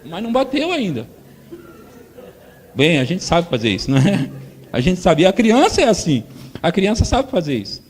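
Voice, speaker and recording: A man in his forties with a Brazilian accent, preaching a sermon as pastor and acting out parents and children in a husky voice. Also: sits high, normal speed, pauses often. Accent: Brazilian Portuguese. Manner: animated, acts out parents and crying children. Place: church hall. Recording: long church hall reverb.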